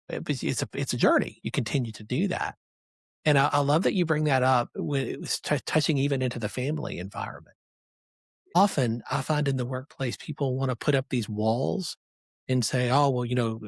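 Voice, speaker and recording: A man's voice: mid-range voice, creaky, slightly rough, no room sound, clean studio sound. A middle-aged man hosting a podcast, affirming his guest in an earnest, emphatic way. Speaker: podcast host. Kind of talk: conversational interview.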